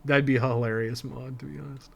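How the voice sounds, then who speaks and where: A man's voice: mid-range voice, little pitch movement, quick pace, creaky, a bit bright. A man chatting casually to his viewers as a game streamer, informal and freely swearing. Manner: informal, foul-mouthed. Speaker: video game live streamer. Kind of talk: casual livestream chat with viewers.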